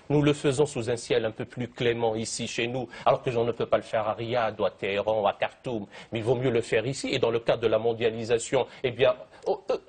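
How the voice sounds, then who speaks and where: A man's voice: mid-range voice, darkish tone, breathy edge. A man speaking as a guest in a televised debate, eloquent and fond of long, elaborate phrasing. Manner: eloquent, elaborate vocabulary, piles up synonyms.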